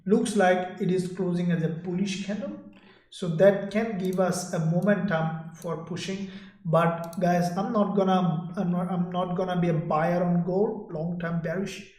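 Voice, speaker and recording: A man from Sydney, Australia, hosting a live trading stream, talking loosely and repetitively to his viewers and reading their chat out loud. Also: sits high, steady tone, measured pace, echoey room.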